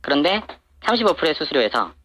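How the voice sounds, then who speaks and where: A man's voice: a little high, very animated, fast, fairly bright tone, slight background noise. Man with an electronically disguised voice. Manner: matter-of-fact, peppered with hesitant fillers. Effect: voice disguised by an electronic voice changer. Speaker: anonymous supplier to TV shopping channels. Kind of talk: interview answers.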